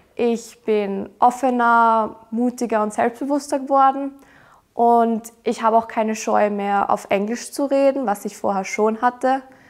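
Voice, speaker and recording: Against a quiet background, a woman talks slowly-ish at a fairly high pitch, her intonation fairly even. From Austria, Graz; Austria. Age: young (19). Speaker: former au pair. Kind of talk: testimonial. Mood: warm, cheerful. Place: office. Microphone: lapel.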